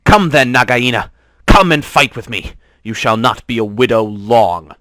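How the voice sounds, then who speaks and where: A man voicing a brave, boastful young male mongoose in a storybook reading, with loud, triumphant cries. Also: mid-range voice, normal speed, no room sound, studio quality, close to an everyday voice.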